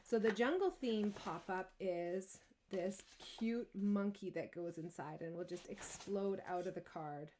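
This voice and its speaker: A chatty woman in her thirties hosts a casual card-making demonstration with easy enthusiasm. Her voice sits at an ordinary middle pitch. A faint hiss runs underneath her speech. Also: unhurried, mellow. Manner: chatty and enthusiastic, laughs easily. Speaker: craft demonstrator and stamping club host.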